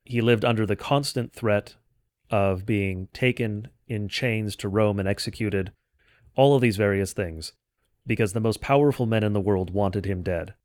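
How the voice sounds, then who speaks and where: A man delivering an explanatory history lecture in a measured, didactic way with formal phrasing. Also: fairly low pitch, a little mellow, dry recording. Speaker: host of a church history podcast. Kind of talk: explanatory lecture, semi-scripted narration.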